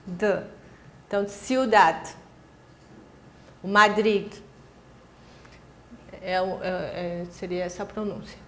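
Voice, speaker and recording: A woman's voice: on the high side, a bit bright. A Brazilian woman teaching a recorded Spanish lesson, explaining pronunciation with many fillers and restarts. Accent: Brazilian Portuguese. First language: Portuguese. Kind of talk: distance-learning lesson.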